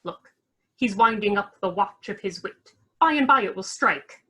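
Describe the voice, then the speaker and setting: A woman playing a mocking, sharp-tongued scheming lord in a Shakespeare radio play, with a dry sarcastic delivery. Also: mid-range voice, animated, moderate pace, slightly rough.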